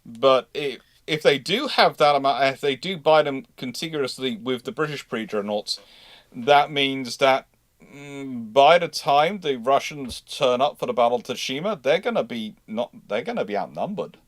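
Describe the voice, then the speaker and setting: A man hosts a live history discussion, picking up questions and thinking aloud. He rambles, restarts and corrects himself as he explains. His mid-pitched voice is recorded close and dry. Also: animated, moderate pace, no room sound. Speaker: host of a live naval history Q&A.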